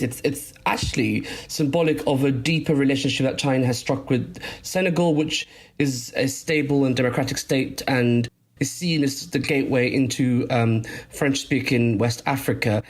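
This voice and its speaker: A man in the middle of a panel discussion, laying out what he found in his reporting. His voice sits at an ordinary middle pitch, and he talks in a measured, explanatory way with frequent small fillers.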